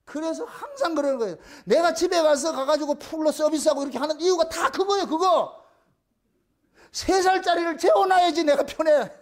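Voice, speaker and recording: A man's voice: very high voice, a little fast. A male pastor preaching a sermon in an emphatic, repetitive way, asking many rhetorical questions.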